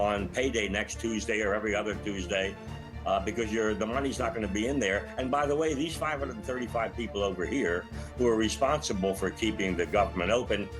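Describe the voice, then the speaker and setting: Older man with a lowish voice, music behind. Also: poor audio. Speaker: retired air traffic controller, interview guest. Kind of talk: live news interview commentary.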